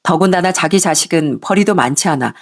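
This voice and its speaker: A woman reading out a first-person story in a calm, even voice. She keeps a polite, measured storytelling manner from line to line. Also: on the low side. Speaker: story narrator.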